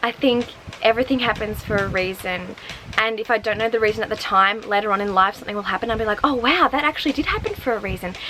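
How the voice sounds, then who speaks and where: Very fast and fairly high, a woman talks in an Australian accent with ordinary pitch variation over noticeable background noise. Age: 20s. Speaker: vlogger. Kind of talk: casual vlog monologue. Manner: fast when excited.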